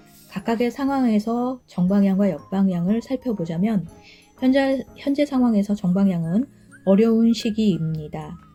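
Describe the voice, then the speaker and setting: A woman's medium-pitched voice at a fairly slow pace with ordinary pitch variation, music playing in the background. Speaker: tarot reader. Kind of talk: educational tarot card explanation. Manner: soft, whispery.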